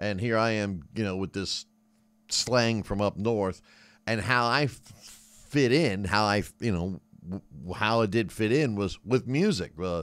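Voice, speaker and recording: With an American accent, a man speaks in an unremarkable speaking voice, fairly low in pitch, fairly slow, with ordinary pitch variation. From Baltimore, Maryland, then rural Georgia. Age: 60s. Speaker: radio show host, music commentator. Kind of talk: casual book discussion. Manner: conversational, filler-heavy.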